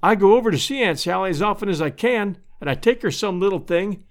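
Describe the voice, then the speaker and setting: A man's voice: sits high, animated, quick pace, pitched above the performer's own voice. A man voicing a cheery, kind-hearted, talkative rural married woman from a storybook, in a folksy, fretful manner. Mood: sorrowful. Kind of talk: storybook character voice.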